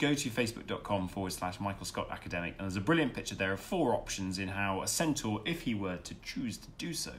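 A man with a fairly low voice talks at a very fast pace with hardly any pauses over light background noise. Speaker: academic hosting live Q&A. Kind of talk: casual live-stream chat. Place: home room. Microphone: phone near.

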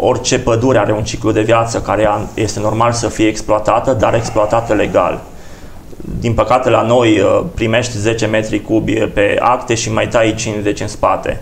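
Light background noise sits under this voice. It holds a moderate pace and a flat, monotone intonation. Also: man. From Romania, Brad (Hunedoara county); Hunedoara, Romania. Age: 40s. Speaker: local politician. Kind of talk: TV interview. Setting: studio. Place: studio. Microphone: lapel.

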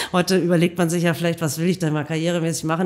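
A woman talks at a very fast pace with a fairly low pitch. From Lower Rhine, Germany (Krefeld area, rural); Lower Rhine, Germany. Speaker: linguistics professor and communications consultant; linguistics professor. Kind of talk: casual interview. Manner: hesitant, many fillers. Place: meeting room. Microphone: studio mic.

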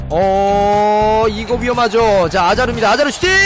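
A man's voice, high in pitch, with music in the background. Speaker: game streamer; game caster. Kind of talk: live football match commentary. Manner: energetic.

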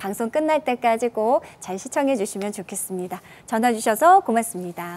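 Lively intonation runs through this voice at a moderate pace. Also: woman. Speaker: TV show host. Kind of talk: live call-in health show. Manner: formal, polite. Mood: warm, polite, smiling. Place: studio. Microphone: lapel.

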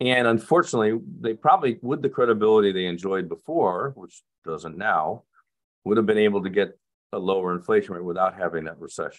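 Here is a man with an ordinary speaking voice, fairly low in pitch, talking at a fairly quick pace. His intonation is lively, and the background is quiet. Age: 60s. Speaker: economist; panelist. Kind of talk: panel Q&A; webinar presentation. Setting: video call. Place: home room. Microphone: video call.

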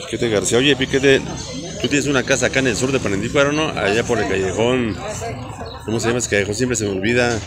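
Over noticeable background noise, a man at medium pitch talks with ordinary pitch variation. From Mexico, Michoacán. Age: 60s. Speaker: local livestreamer. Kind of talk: live stream commentary. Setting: outdoors. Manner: halting. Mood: relaxed, chatty. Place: street. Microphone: phone near.

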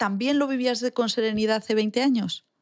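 With a quiet background, a woman talks at a moderate pace. Her pitch is fairly high and varies in an ordinary way. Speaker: interview show host. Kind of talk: show intro and interview questions. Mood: curious, engaged. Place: studio. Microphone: studio mic.

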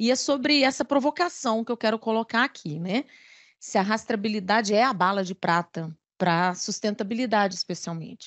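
The setting behind the voice is quiet. A woman talks at a middling speed. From Brazil. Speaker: government official. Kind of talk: conference panel presentation. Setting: stage with audience. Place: meeting room. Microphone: handheld.

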